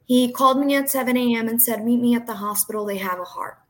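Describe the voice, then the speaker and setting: A young woman from Brazil whose first language is Portuguese, speaking with a New Jersey accent. Her voice sits a little high, and she talks earnestly, filling pauses with "um". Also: fairly bright tone. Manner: earnest, frequent "um" fillers. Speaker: health insurance agent, guest. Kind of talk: podcast interview, personal story.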